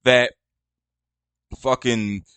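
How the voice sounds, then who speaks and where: A man's voice: mid-range voice, steady tone, very slow, a bit bright, smooth, no room sound. Profane, mocking male podcast ranter. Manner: profane, mocking, exasperated rant. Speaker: podcast host. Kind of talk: casual ranting commentary.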